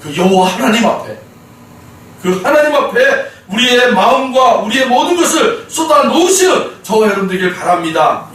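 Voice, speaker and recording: A male pastor preaching a sermon in an animated storytelling way, often addressing the congregation. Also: very high-pitched, normal speed. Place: church sanctuary. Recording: very echoey church hall, mic far off.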